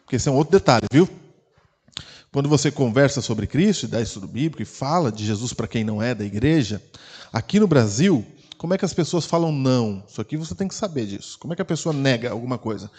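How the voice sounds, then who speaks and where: Brazilian pastor preaching with rhetorical questions. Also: male voice, medium pitch, expressive, fast talker, breathy edge. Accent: Brazilian Portuguese. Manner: loudness rises and falls sharply. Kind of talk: sermon. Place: church.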